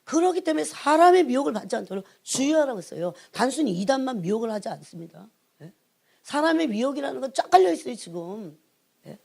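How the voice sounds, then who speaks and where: A middle-aged woman, an evangelist, preaching an emphatic sermon that keeps prodding her listeners and drops to hushed asides. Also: sits high, very animated, fast talker, vocal fry. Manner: emphatic, prods the congregation with repeated "예?"; swings between raised emphasis and hushed asides. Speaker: church evangelist, prayer team leader.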